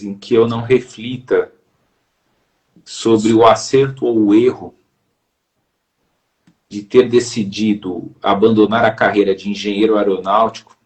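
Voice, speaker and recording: Measured Brazilian judge, formal speech. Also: male voice, fairly low pitch. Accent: Brazilian Portuguese. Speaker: judge and interview guest. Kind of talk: reflective interview talk.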